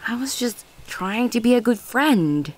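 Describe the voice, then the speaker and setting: A woman playing a possessive, manipulative ex-girlfriend in an ASMR audio roleplay, condescending and volatile, with teasing, lingering, breathy delivery. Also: a little high, expressive, a little slow, poor audio. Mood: sweet, smug. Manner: condescending, teasing, lingering on words, often breathy half-whispers.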